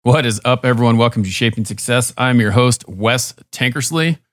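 A man's voice: medium pitch, normal speed, fairly bright tone, no room sound, studio quality, faint music behind. A man hosting a podcast interview over a remote call, laid-back with loose, casual phrasing. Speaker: podcast host.

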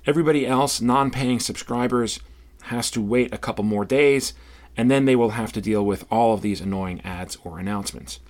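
A man's voice: medium pitch, moderate pace. A man speaking as a podcast host, making announcements and interviewing.

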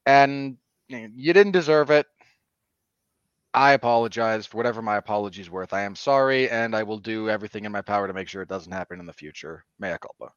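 A man hosting a film podcast, giving casual commentary in a wordy, deliberate, mock-formal manner. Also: on the low side, clean tone, no room sound, dull audio. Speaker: podcast host and film reviewer.

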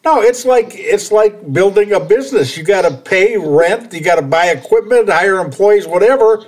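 A man with a notably high voice hosts a relaxed interview. He talks in a folksy, rambling way and trips over his words, repeating them as he goes. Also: normal speed. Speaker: podcast host. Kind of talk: casual interview chat.

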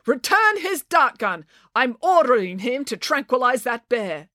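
Woman playing a high-voiced, bossy small-town lady mayor. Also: very animated, a little slow, a bit bright, no room sound, clean studio sound, heavily acted. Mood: commanding. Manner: pompous, commanding.

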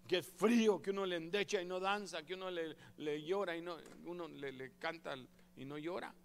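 A man preaching a sermon as pastor, lively and acting out the prayers he describes. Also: sits high, normal speed, creaky, clean tone. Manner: animated, acts out quoted prayers and voices.

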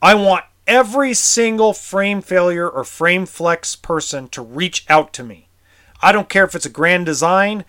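A man's voice: high-pitched, unhurried, sharp tone. A tense man ranting in a vlog as an RV service technician, frustrated and heated, swearing and stammering over repeated words. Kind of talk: vlog rant.

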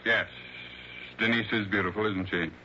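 A man's voice: fairly low pitch, fairly even intonation, moderate pace, bright, forceful tone, slight background noise. An actor playing a wealthy male mystery author in his late fifties, gushing and hesitant with fillers, in a 1960s radio drama. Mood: brooding. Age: 50s. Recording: dull lo-fi old radio broadcast.

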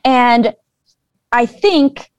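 A woman's voice: on the high side, very slow, smooth, dry recording. Earnest woman explaining spiritual ideas. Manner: earnest, explanatory, many fillers. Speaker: guest, spiritual intuitive. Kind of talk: casual conversation.

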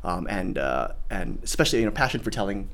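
A young man from Singapore with a learned American accent, an actor talking through an interview in an animated way, often restarting phrases and voicing the people he quotes. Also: lowish voice, quick pace, creaky. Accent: General American, learned. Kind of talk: casual interview.

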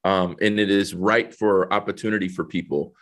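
A man's voice: low voice, steady tone, normal speed, fairly bright tone. A middle-aged man from El Salvador, a guest in a conversational interview, explaining things earnestly and step by step. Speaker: guest, corporate diversity executive.

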